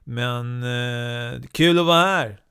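Man doing a stiff aggrieved guy, throat-clearing, gravelly, comedy podcast sketch. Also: medium pitch, bright, forceful tone. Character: stiff white Swedish man, quietly aggrieved.

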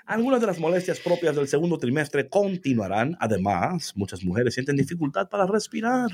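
A man's voice: a little high, big pitch swings, a little fast, husky. A man co-hosting a casual chat, reading a text aloud, joking about its words, laughing often and slipping English into his Spanish. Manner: jokes about words he reads. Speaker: co-host.

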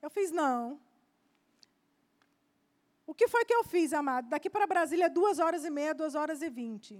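A woman preacher giving a fervent sermon, often dropping softly to address her listeners as beloved. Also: high voice, lively intonation, a little fast.

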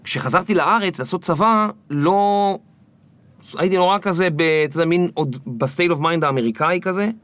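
A man guest on an interview podcast, telling stories in a lively way and acting out the people in them. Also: sits high, dry recording. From Israel. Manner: animated, acts out the people in his stories. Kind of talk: storytelling interview.

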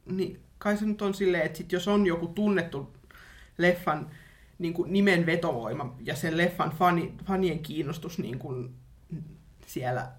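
Woman co-host, relaxed agreeable chatter. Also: lowish voice. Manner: easygoing, agreeable, filler-heavy. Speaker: podcast co-host. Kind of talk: casual chat.

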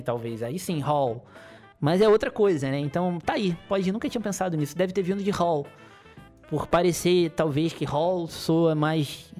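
A man's voice: a little high, darkish tone. A man, hosting a casual solo podcast in a rambling, chuckling, playfully griping way. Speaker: podcast host.

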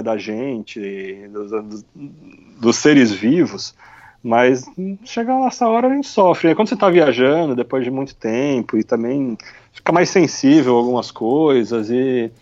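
A Brazilian man tells a story in a relaxed, animated way, with lots of slang fillers. His voice sits at a medium pitch. The recording sounds a little muffled. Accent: Brazilian Portuguese. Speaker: podcast guest, cycle traveler. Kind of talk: casual storytelling.

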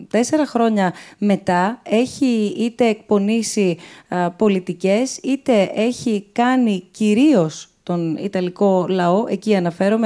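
A woman's voice: medium pitch, dark tone. A woman moderating a panel discussion, asking long, formal questions.

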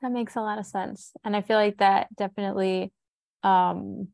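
A woman's voice: mid-range voice, steady tone, moderate pace, gravelly, darkish tone. A woman hosting a podcast, speaking in a casual interview style. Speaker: podcast host.

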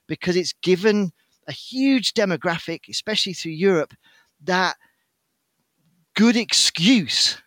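A middle-aged British man, a podcast guest, explaining his outdoor work in a measured, articulate way. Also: a little high, bright, forceful tone, no echo. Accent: British English. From United Kingdom. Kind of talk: casual podcast interview.

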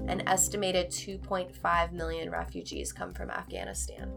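A woman's voice: on the low side, very animated, moderate pace, gravelly, over music. A woman co-hosting a podcast, reading a scripted introduction and letting her voice trail off at the ends of phrases. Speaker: podcast co-host.

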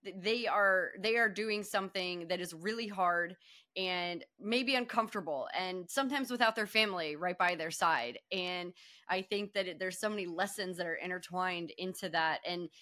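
A woman with a bright, forward voice, slightly low for a woman, co-hosts a sports podcast. She speaks in a reflective, earnest way and restates phrases to drive them home. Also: moderate pace. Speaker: podcast co-host. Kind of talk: conversational, reflective sports commentary.

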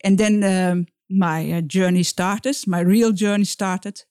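A middle-aged woman, a guest expert on a podcast, speaking English in halting phrases that often restart. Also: mid-range voice, fairly even intonation, a little mellow, clean tone, dry recording, clean studio sound. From Netherlands. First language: Dutch. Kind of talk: podcast interview.

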